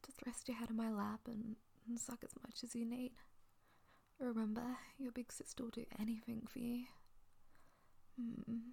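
Woman as a tender older sister: slightly high, slow, gravelly whisper, reassuring. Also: full character voice. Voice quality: soft, often whispered. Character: doting older sister, young adult woman. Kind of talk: intimate audio roleplay.

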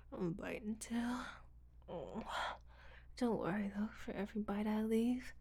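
A woman playing a breathy, giggling seductress. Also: medium pitch, fairly even intonation, slow, dark tone, dry recording. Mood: teasing. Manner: breathy whispering, frequent giggles, teasing. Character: teasing, domineering seductive woman, rough-handed. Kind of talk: audio roleplay.

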